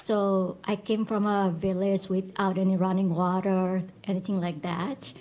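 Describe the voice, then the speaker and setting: A young woman from Bangladesh speaks at an awards ceremony. She sounds eager and upbeat and strings her thoughts together in quick run-on clauses. Her pitch is middle of the range. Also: level tone, warm tone. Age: young adult. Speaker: award recipient and health policy analyst. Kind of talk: acceptance speech.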